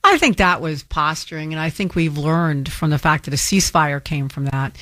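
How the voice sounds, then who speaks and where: A woman's voice: low-pitched, animated, normal speed, a bit bright, dry recording, studio quality. A woman filling in as a talk radio host, firmly rebutting a caller with frequent ums. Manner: firm and argumentative, with frequent ums.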